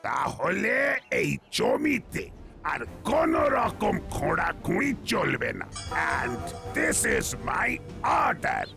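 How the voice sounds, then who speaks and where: A bossy cartoon policeman, heavily gravelly and swinging wildly in pitch. He drawls pompously and barks his orders loudly. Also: wildly swooping pitch, very slow, soft background music, full character voice. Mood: bossy, commanding. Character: bossy male police officer, loud and theatrical. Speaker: police officer.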